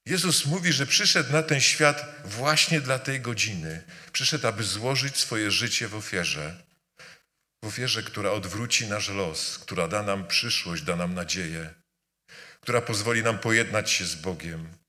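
A man with a fairly low but bright, forceful voice delivers a sermon in a church. He builds his points through repetition, swinging between loud appeals and hushed words. The long reverb of the church hall trails after each phrase. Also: unhurried. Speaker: preacher. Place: church during a service.

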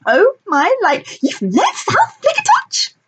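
A woman voicing an excitable young female fire pixie in a storybook reading, gushing and breathless. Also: fairly high pitch, fast, husky.

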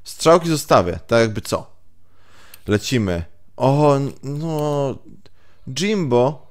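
A man's voice: medium pitch, lively intonation, slow. A man hosting a let's play with casual, muttering, sweary gameplay commentary, slipping into English at times. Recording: game music behind.

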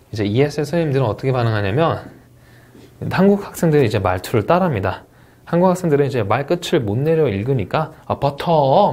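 Guy teaching a test-prep english lecture, voice jumps all over, drags out the example words nice and slow. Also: mid-range voice. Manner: lively, animated delivery, stretching out English model words slowly. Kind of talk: recorded online lecture.

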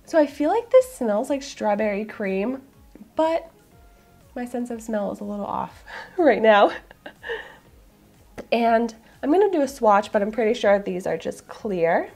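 A woman in her thirties, hoarse from a cold, gushing and candid as she reviews a product to camera in a small room. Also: fairly high pitch, sing-song, measured pace, pauses often, a little mellow, soft background music. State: hoarse, getting over a cold. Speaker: beauty vlogger. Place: small room in front of a floral backdrop.

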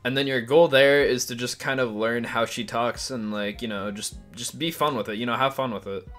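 A man's voice: mid-range voice, fairly even intonation, moderate pace, fairly bright tone, faint music behind. A man hosting a casual video tutorial, upbeat and talking straight to his viewers. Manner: chatty, upbeat, direct to viewers. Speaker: YouTube host.

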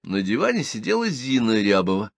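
A man's voice: on the low side, wildly swooping pitch, fairly quick, vocal fry, dry recording. A man reading a literary story aloud in first person, expressively. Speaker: audiobook reader.

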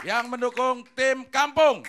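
A middle-aged host with a very high voice speaks unhurriedly while running a stand-up comedy show on a TV studio stage, joking around and needling the comics. Heavy background noise fills the recording: a live crowd laughing loudly and music, picked up through his handheld mic.

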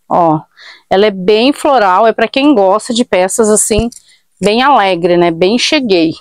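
A woman's voice: fairly high pitch, dry recording. Chatty Brazilian woman selling clothes. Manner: chatty, tag questions, addresses viewers. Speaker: online thrift shop seller. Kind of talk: casual live sales pitch. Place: small clothing shop indoors. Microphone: fixed camera at mid distance.

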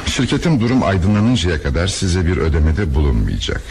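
A man acting a smooth-mannered insurance agent in a crime radio drama. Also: deep voice, sing-song, brisk, darkish tone, a little hiss or hum. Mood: formal, probing.

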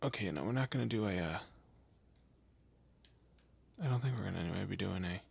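A man playing a frightened, pleading captive of a vampire in an audio roleplay, stammering and often slipping into breathy whispers. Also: low-pitched, a little fast, exaggerated voice. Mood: awkward, nervous. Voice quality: breathy, husky. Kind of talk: amateur audio roleplay drama, one-sided dialogue.

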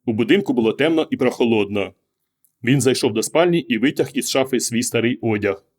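A man narrating a short story as an audiobook in a calm, measured way. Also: medium pitch. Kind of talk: scripted narration.

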